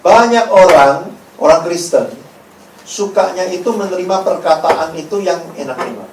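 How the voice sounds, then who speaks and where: A male pastor preaching in an animated, joking, colloquial way. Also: sits high, moderate pace, roomy sound, distant mic, a little hiss or hum, poor audio. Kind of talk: sermon.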